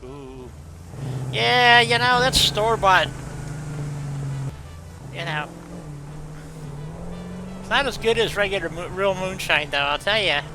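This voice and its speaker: A man's voice: high voice, animated, slow pace, pauses often, background noise. A man chatting casually with a viewer while playing a game on stream, rambling in a folksy way and leaning on "you know.".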